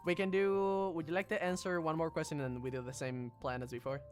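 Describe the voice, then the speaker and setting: A woman's voice: deep voice, fairly even intonation, brisk, faint music behind. A trans woman hosting a casual stream chat, who repeats her phrases and laughs often. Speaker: VTuber streamer host.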